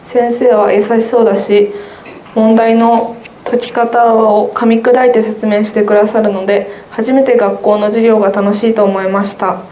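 A woman's voice: on the high side, level tone, normal speed, warm tone. A teenage girl, a student guest, reading her own essay aloud in a careful, earnest way. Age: teens. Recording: roomy sound with faint noise.

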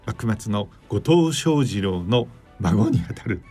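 Measured male radio interviewer. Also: on the low side, lively intonation, warm tone, slightly rough, faint music behind. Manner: measured, halting phrasing with fillers. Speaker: radio show host and journalist. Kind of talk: interview questions.

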